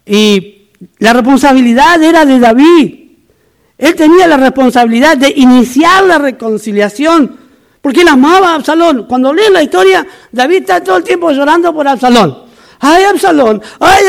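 A man's voice: very high voice, creaky. A man from Argentina preaching a sermon as a pastor, emphatic and repetitive, with humorous asides.

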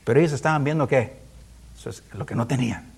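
Guy preaching, kinda husky voice, chatty bible-study feel, keeps asking questions and laughing a bit. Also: mid-range voice, fast talker, a little mellow. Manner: rhetorical questions with frequent tag questions; chuckles often while teaching. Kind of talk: conversational Bible teaching.

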